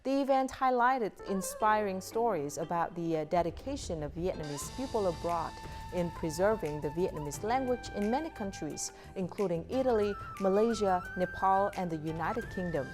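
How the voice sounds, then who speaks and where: A woman news anchor reading scripted news in a measured, formal way. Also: mid-range voice, lively intonation, over music.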